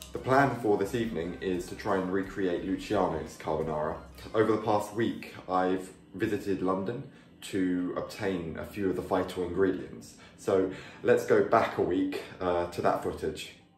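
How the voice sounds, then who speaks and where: With audible room echo and light background noise, a man of fairly low pitch speaks at a moderate pace with ordinary pitch variation. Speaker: home cook vlogger. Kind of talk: casual vlog chat. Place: kitchen. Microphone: phone near.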